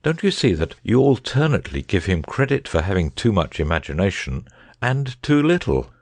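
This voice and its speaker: A brilliant detective lays out his reasoning in a deep, measured voice, as a male narrator puts him on. The sound is dry and close, with lively pitch. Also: no room sound. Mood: explaining. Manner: measured, precise.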